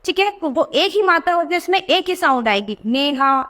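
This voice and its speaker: A woman teaching young children a reading lesson. She asks questions and answers them herself, and she stretches out words slowly to show the sounds. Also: extremely high pitch, expressive, pushed and bright.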